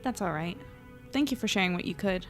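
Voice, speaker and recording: A woman's voice: mid-range voice, lively intonation, brisk, soft background music, lightly acted. A woman playing an earnest, anxious female reporter in an audio drama, conversational, tentative and a little self-deprecating. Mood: gently questioning. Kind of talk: naturalistic audio drama acting and narration.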